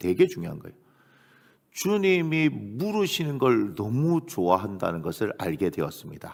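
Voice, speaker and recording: Very wide pitch swings mark this voice. Delivery is fairly slow. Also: man. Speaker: pastor. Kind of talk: sermon.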